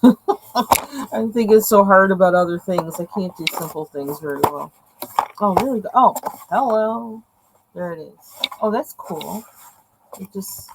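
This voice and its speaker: Lady unboxing art pens at her desk, talks real slow, lots of ums, voice kinda going. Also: lowish voice, noisy background. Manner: rambling, many fillers, self-deprecating. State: losing her voice. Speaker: vlogger unboxing art supplies. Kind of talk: casual chat. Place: indoors at a home desk. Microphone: camera over the desk, hands seen.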